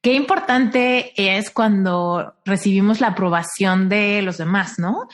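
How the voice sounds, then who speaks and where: A woman's voice: mid-range voice, slow. A woman hosting an interview podcast, asking questions and reflecting on her guest's answers in an affirming way. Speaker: podcast host.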